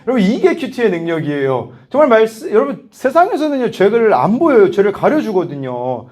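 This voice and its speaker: A man in his thirties giving a lively youth sermon, telling family stories with laughter and acted-out quotes. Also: high voice, a little fast. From South Korea. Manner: animated storytelling, laughs often, acts out voices in quotes. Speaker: youth pastor.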